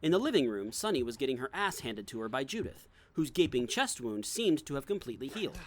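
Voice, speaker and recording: A man's voice: mid-range voice, very animated, quick pace. A man reading scripted dramatic narration as the narrator of a story. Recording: clear background noise, clicks.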